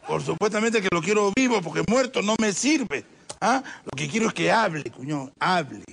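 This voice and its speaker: High gravelly man, self-important official. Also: lively intonation, brisk, fairly bright tone, a little hiss or hum. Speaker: minister on the phone in a sketch. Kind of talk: comic phone sketch.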